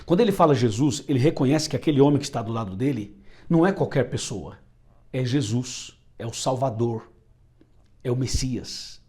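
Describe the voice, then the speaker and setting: A man's voice: medium pitch, animated, normal speed, a little mellow. A man with a Brazilian Portuguese accent preaching a sermon, emphatic and repeating phrases for effect.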